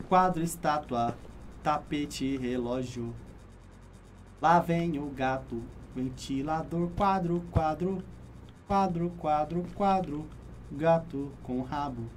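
A man's voice: on the high side, takes it slowly, faint music behind. Brazilian man muttering through a game. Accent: Brazilian Portuguese. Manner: murmurs a running checklist of objects, talks to chat. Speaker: gaming streamer. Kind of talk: casual let's-play commentary.

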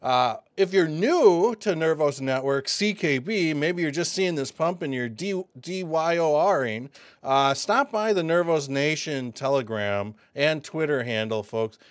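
A man hosting a casual crypto commentary video, excitable and chatty, with lots of fillers, calling his viewers folks. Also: fairly high pitch, unhurried, dry recording, clean studio sound.

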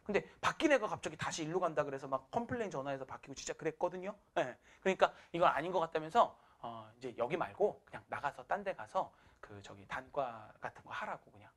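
A man's voice: a little high, expressive, quick pace, hardly any pauses, fairly bright tone. A male math teacher telling his students a story from his past, acting out the people he quotes and laughing at himself.

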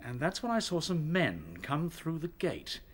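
A man playing a battle-worn rabbit captain in a radio drama, halting as he recounts horrors. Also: a little high, very animated, husky, exaggerated voice. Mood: grave. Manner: halting, searching for words.

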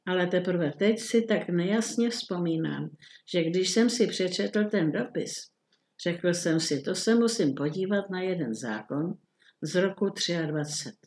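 A woman's voice: lowish voice, lively intonation, a little mellow, reverberant. A woman reading the part of a flustered middle-aged male government minister, muttering and bewildered. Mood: puzzled.

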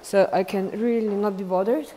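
A woman's voice: medium pitch, fairly even intonation, moderate pace, dark tone, a little hiss or hum, low-quality recording. Chatty Russian-accented woman vlogging. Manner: chatty, candid, playful. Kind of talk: casual vlog chat. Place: home, gym, then outdoors on a city street. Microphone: phone held at arm's length.

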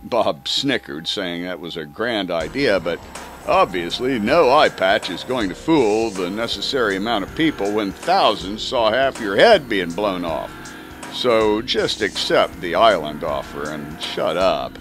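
A man's voice: fairly low pitch, animated, a little slow, a bit bright, soft background music. A man reading a spy story audiobook in a theatrical, emphatic first-person narration. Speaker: audiobook reader.

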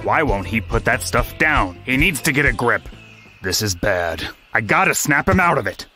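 A man's voice: mid-range voice, very animated, moderate pace, sharp tone. A man voicing a bossy, exasperated older-brother cartoon bear in an emphatic, scolding manner. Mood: scheming, frustrated. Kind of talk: animated cartoon dubbing. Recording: music behind the voice. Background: cartoon background music.

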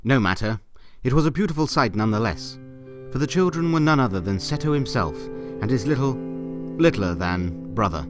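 A man's voice: medium pitch, expressive, normal speed, music in the background. A man narrating a scripted story in a theatrical, wry manner with ornate phrasing.

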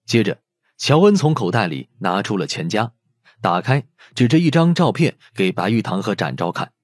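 A man's voice: lowish voice, sing-song, normal speed, dry recording. A man narrating a scripted detective story as an audiobook narrator.

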